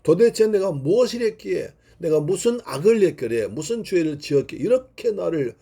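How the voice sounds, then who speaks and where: A man's voice: high-pitched, big pitch swings, moderate pace, creaky, dark tone, slightly rough, voice pushed up, exaggerated voice. A man acting out young David in a sermon, speaking in solemn biblical address, rebuking and pleading with a king. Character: young male warrior king-to-be, earnest and wronged. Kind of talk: dramatized scripture quotation in a sermon.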